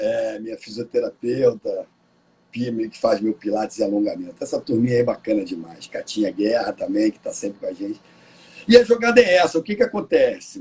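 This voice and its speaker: The voice moves at a fairly quick pace, with big swings in loudness. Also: man. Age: 60s. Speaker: musician. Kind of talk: interview. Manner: casual, halting with repetitions.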